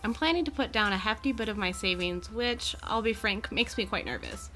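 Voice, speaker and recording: A woman's voice: mid-range voice, lively intonation, brisk, bright, forceful tone. A woman playing an amiable, poised Gorgon educator in an audio drama, with articulate, genteel and reassuring phrasing. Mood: earnest, passionate.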